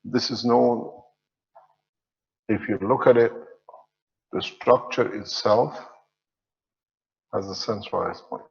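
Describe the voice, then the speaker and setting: A man teaching in a slow, measured way, his phrases trailing off at the ends. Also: on the low side, steady tone, vocal fry, big-room sound, dull audio. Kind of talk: spiritual teaching lecture.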